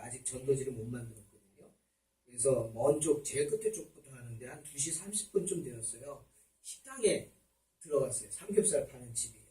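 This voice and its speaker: 멀리서 울리는 높은 톤의 남자 목사 설교. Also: male voice, fairly high pitch, dark tone, roomy sound, far from the mic, rough recording. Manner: storytelling, acts out quoted people. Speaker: pastor. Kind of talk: sermon. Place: church sanctuary.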